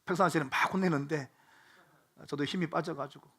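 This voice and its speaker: Male pastor, middle-aged, high bright voice, fervent sermon delivery that rises from soft pleading to loud calls. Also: steady tone, breathy edge. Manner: builds from quiet, slow pleading to loud, fervent exhortation.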